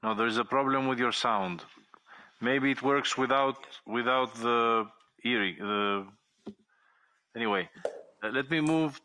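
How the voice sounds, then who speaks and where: A man chairing a formal meeting from a conference chamber, giving brisk, short procedural instructions. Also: medium pitch, bright, forceful tone. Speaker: president chairing the session.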